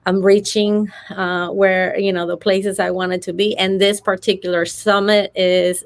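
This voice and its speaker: A middle-aged woman from Venezuela with a Venezuelan Spanish accent, telling her story earnestly and carefully as an interview guest. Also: mid-range voice. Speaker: podcast guest, motivational speaker.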